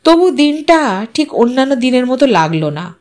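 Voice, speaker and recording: Higher-voiced woman narrating a story. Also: sing-song, normal speed, a little mellow. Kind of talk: dramatic literary story narration.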